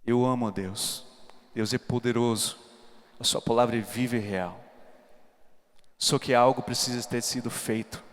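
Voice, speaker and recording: A man's voice: medium pitch, steady tone, moderate pace, long pauses. A man preaching a personal testimony to a church congregation, speaking earnestly and with emphasis. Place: large church hall. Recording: reverberant church hall.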